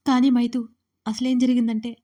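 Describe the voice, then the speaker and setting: An anxious young woman in an audio drama, soft and tearful as she begs to be heard, read by a woman. The voice is slightly high and mellow in tone. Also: level tone, brisk, lightly acted. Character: young woman, anxious friend, desperate to explain.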